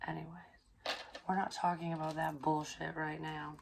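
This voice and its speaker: Hoarse new woman vlogging, gravelly low voice, lots of ums and swearing. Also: little pitch movement, moderate pace, background noise. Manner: chatty, swears casually, frequent ums. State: hoarse, recovering from illness. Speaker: psychic medium vlogger. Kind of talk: casual rambling vlog talk.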